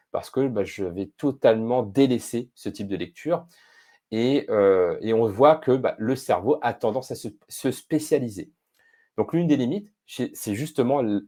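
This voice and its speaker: A man being interviewed as a guest on a podcast, explaining his expertise in a thoughtful, measured way with frequent hesitations. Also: lowish voice, mellow.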